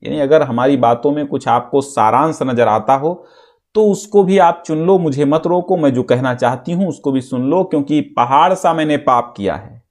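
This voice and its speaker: A man teaching an exam-prep lesson, explaining step by step and reciting verse slowly. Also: on the high side, darkish tone.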